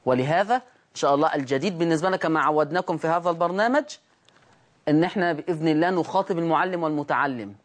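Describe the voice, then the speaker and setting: A man teaching Quran recitation rules on a TV program. He asks rhetorical questions, answers them, and chants the example words slowly. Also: on the high side. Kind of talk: televised recitation lesson.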